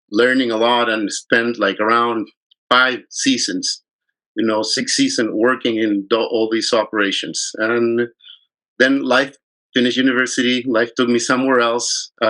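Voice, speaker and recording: A man's voice: fairly low pitch, bright, forceful tone, poor audio. A man, a fly fishing guide telling his story in a casual interview, rambling and often restarting his sentences. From Chile.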